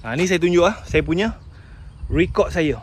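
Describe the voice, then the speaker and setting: A Malaysian man with a fairly high voice tells his story in a motivational live talk. He talks with feeling, keeps turning to his listeners and drops English words into his Malay. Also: expressive, normal speed, slight background noise. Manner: emotional storytelling, addresses listeners as tuan-tuan, mixes in English words. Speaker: sales agent sharing his story.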